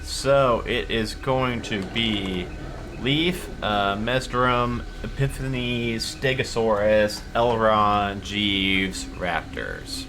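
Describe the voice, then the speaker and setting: A man running a tabletop game as game master, narrating casually and haltingly as he thinks aloud. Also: lowish voice, noisy background.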